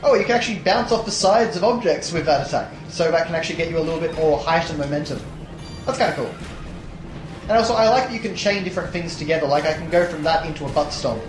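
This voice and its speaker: A young man with a tired, hoarse voice, casually commenting on a platformer as a let's play host, rambling with many fillers and restarts. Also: fairly high pitch, fast talker, echoey room, rough recording. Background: game music.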